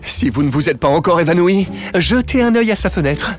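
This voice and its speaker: A man's voice: high voice, expressive, brisk. A man hosting an audio tour podcast, talking playfully with jokey asides to his listeners. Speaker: podcast host and park guide. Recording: music bed behind voice.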